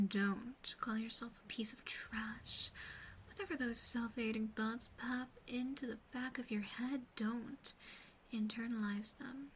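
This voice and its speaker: A woman plays a doting yet playfully menacing demon sister in an ASMR roleplay. The voice is highish and soft, slipping into breathy whispers, very close to a binaural mic. The words come slowly, with a faint noise behind them. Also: low-quality recording. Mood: fiercely protective. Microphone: close binaural microphone.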